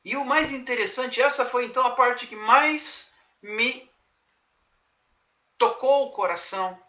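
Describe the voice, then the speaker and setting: A man preaching as a pastor, telling a testimony in an earnest, preacherly way with dramatic pauses. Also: very high voice, bright, forceful tone, dull audio. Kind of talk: devotional testimony sermon. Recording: echoey room.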